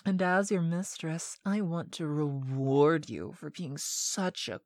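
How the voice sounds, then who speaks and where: A woman performing a scripted hypnotic monologue as a domineering mistress, sweet yet stern, with commanding, deliberate delivery and some breathy whispered phrases. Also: low-pitched, a little mellow, no room sound, clean studio sound.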